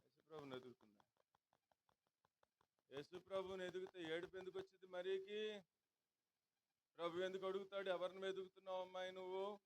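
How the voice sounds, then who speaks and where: A man's voice: high voice, level tone, brisk, slight background noise, rough recording. Telugu-speaking pastor questioning his congregation. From India. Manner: asks the congregation repeated rhetorical questions. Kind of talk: sermon. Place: church hall.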